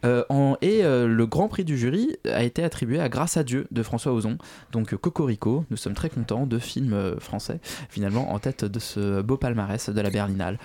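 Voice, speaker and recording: A man presenting film news on a radio show in casual chat, hesitant and full of fillers and self-corrections, gently self-mocking. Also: mid-range voice, a little fast.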